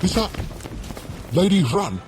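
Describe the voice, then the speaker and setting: An actor playing a puzzled, deferential city guard in a fantasy audio drama. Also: male voice, sits high, very animated, slow, background noise, heavily acted. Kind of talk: fitness audio drama acting.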